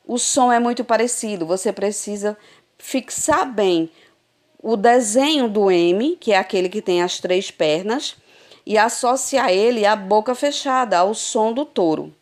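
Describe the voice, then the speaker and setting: A woman teacher giving a recorded adult literacy lesson over a phone, sounding out syllables slowly and patiently. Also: medium pitch, lively intonation. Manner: slow, patient, drawn-out syllables.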